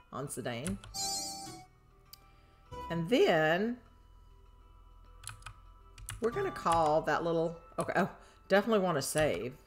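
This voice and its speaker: An older woman streaming a video game, thinking aloud as she plays and bursting into excited squeals. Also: on the low side. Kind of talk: live gameplay commentary.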